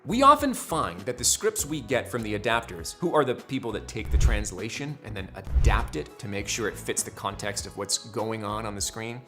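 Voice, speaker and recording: A man's voice: on the low side, very animated, moderate pace, hardly any pauses, a bit bright, soft background music. A man, a voice actor, giving a scripted tutorial with wry, jokey asides and emphatic explanations. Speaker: voice actor teaching anime dubbing.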